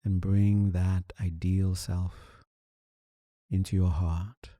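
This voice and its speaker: A man leading a guided meditation, calm and soothing, speaking in deliberate short phrases with long pauses. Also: deep voice, no echo. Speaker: meditation teacher.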